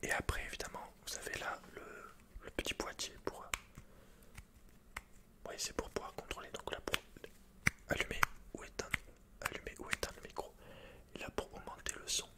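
A young man doing an ASMR roleplay as a shopkeeper, speaking haltingly and with understatement, close to the mic. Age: young adult. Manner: hesitant, halting, understated delivery.

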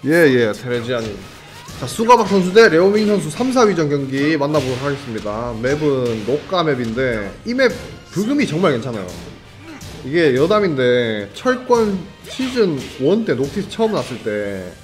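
A young man calls a fighting game match live, his pitch leaping around as he reacts to each hit and chats with the viewers. His voice sits a little high for a man, and faint game music plays behind him. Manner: excitable, chatty, jokes with viewers, quick reactions. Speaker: esports commentator.

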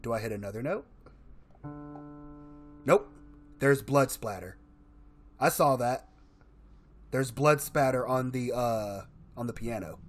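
A man in his thirties giving casual, expressive commentary as he plays and reads aloud from a video game. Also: mid-range voice, takes it slowly, long pauses, faint music behind. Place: indoor room, solo gaming setup.

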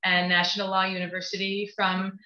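A middle-aged American woman, a visiting law professor, introduces a course in a measured way, with frequent ums and "right?" checks, from an office on a shared webcam mic. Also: medium pitch, monotone, sharp tone. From New York State, USA. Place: office, seated at a desk beside a colleague. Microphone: shared webcam mic on a video call. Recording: roomy, dull video-call audio.

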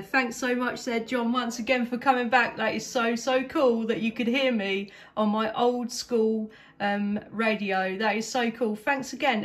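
A woman with an English accent chatting casually as a CB radio operator, enthusiastic and talkative. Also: on the high side. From England. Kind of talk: casual two-way radio chat.

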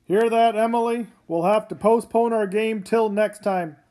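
A woman voicing an earnest father in a comic read-aloud, with her voice lowered. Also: steady tone, normal speed, mellow, natural voice. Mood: easygoing. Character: adult father, easygoing then desperate.

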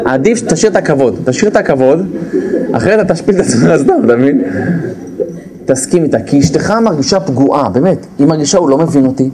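A man lectures a crowded hall in a lively, high-set voice that swoops widely as he talks. He keeps slipping into quick acted-out lines for husbands and wives and hammers his points by repeating them. The audience is clearly audible around him. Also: a crowd in the background. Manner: animated, acts out spouses' lines in quick put-on voices; repeats key phrases for emphasis. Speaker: lecturer on marriage. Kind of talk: humorous lecture to a live audience. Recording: live audience audible in the background.

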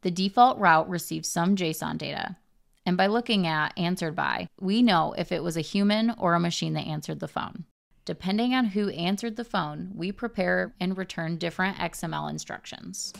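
A young woman presenting a tutorial, reading scripted technical narration in a measured, instructional way. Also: lowish voice, creaky.

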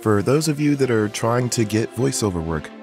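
A man's voice: medium pitch, animated, moderate pace, over music. A man hosting a casual tips video for beginners, emphatic and repeating his points for stress. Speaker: voice acting tips host.

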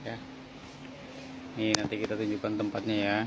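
A man's voice: on the low side, completely flat delivery, normal speed, background noise. Hesitant man filming in a supermarket. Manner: hesitant, many fillers. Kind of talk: casual clarification vlog. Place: inside a supermarket aisle. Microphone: phone held at arm's length. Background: loud background music.

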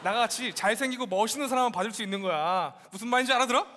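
A man's voice: extremely high pitch, heavy background noise. A comedian playing a cocky, chatty male South Korean soldier who teases and boasts. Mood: teasing. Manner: teasing, boastful, quick. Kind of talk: stage sketch comedy.

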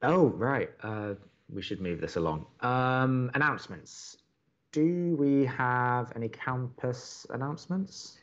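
A man's voice: medium pitch, lively intonation, takes it slowly, highs cut off. A man playing a sardonic, understated young college radio co-host in an audio drama. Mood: dry, reluctant. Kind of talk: naturalistic audio drama acting.

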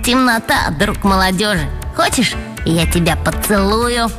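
A woman's voice: fairly high pitch, very animated, moderate pace, music in the background. A woman voicing a cheeky schoolboy in a children's audio tale, sarcastic and mocking. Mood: smug. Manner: teasing and sarcastic. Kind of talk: audiobook character voice.

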